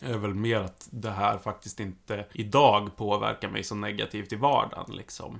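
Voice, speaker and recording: A man speaks at a fairly low pitch with ordinary pitch variation and vocal fry. The recording is very clean, with a silent background. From Sweden, Oxelösund. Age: 30s. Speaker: podcast co-host. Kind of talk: casual chat.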